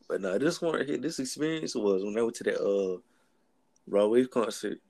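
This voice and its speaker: A man's voice: medium pitch, expressive, moderate pace, darkish tone. Laid-back young man, slangy storyteller. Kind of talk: casual chat between friends.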